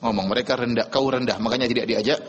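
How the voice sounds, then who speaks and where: A sly devil whispering put-downs, as a preacher puts him on. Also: male voice, medium pitch, steady tone, racing, slightly rough, pitched below the performer's own voice, close to an everyday voice. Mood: insinuating. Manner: insinuating, belittling. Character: whispering devil sowing suspicion, male.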